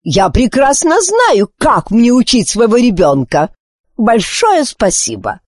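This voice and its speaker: Give me an indignant, cold-hearted queen, put on by a woman reader, higher and clipped. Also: very animated, moderate pace, darkish tone, no echo, clean studio sound. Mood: haughty. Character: haughty, icy, angry woman queen.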